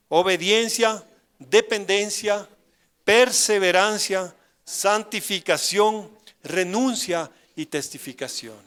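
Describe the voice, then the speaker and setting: An older man preaching a sermon, telling a story and asking the congregation rhetorical questions, swinging from loud declarations to hushed asides. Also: on the high side. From Ecuador. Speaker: pastor.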